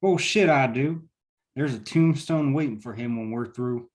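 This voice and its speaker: A man's voice: mid-range voice, normal speed, darkish tone, natural voice. A man playing a hard, vengeful small-town lawman in a script read, speaking bluntly and with menace. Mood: angry, defiant. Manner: gruff, blunt, threatening talk.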